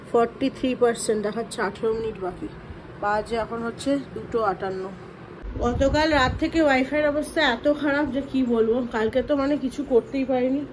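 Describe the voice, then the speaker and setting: High-voiced Bengali mother vlogging at home. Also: noisy background. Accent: West Bengal Bengali. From West Bengal, India. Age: 20s. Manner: sing-song coaxing to small children; calm chatty asides to viewers. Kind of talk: casual home vlog. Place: apartment at home.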